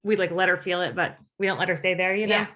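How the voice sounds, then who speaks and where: A woman's voice: on the low side, fast talker. A woman co-hosting a casual Christian podcast, telling stories informally with exclamations and acted-out reactions. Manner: animated, exclamatory, acts out quoted reactions. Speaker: podcast host.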